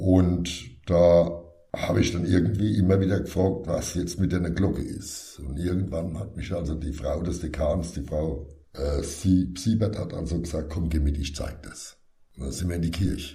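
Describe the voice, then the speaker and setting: A man with a very deep, low pitch and a dark, mellow tone, somewhat breathy, at a fairly slow pace with ordinary pitch variation and audible room echo. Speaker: chairman of a church heritage association. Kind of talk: interview. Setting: in the old church. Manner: hesitant, many fillers.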